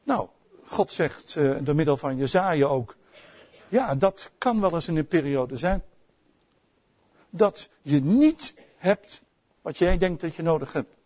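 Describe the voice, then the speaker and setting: A middle-aged Dutch-accented man preaching with a lot of life. His voice sits high, and he moves from soft, quiet asides to loud, emphatic outbursts. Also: animated, slow pace, pauses often. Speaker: pastor. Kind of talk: sermon.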